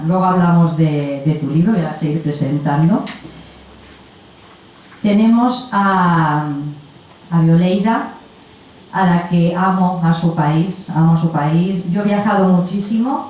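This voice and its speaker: A woman's voice: on the low side, warm tone. A woman moderating a literary panel, introducing guests in a chatty, effusive and informal way. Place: event room at a festival. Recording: echoey room, distant mic, faint noise.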